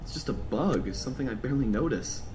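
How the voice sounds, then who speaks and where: A man playing a frightened captive in an audio drama, halting, timid and cautious as he humors his captor. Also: medium pitch, lively intonation, noisy background, close to an everyday voice. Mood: nervous.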